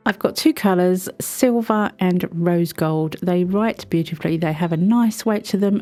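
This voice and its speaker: A woman with a cold, sounding croaky, chatting her way through a craft tutorial voice-over with friendly little asides. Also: lowish voice, warm tone. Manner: chatty, self-deprecating asides. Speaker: resin craft video host.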